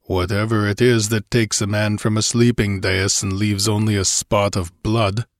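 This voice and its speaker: A man narrator acts out a gruff giant of a barbarian in a fantasy audiobook. He growls and snarls in blunt sentences, with grim humor underneath. The sound is dry and close. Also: fairly low pitch, level tone, moderate pace, no room sound, natural voice. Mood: wary, gruff.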